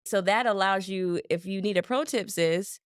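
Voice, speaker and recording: A woman in her thirties co-hosting a casual chat with her sister, telling stories in a lively way and acting out quotes. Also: mid-range voice, moderate pace, clean tone, no room sound, studio quality. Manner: animated storyteller, acts out quotes, laughs easily. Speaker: podcast co-host.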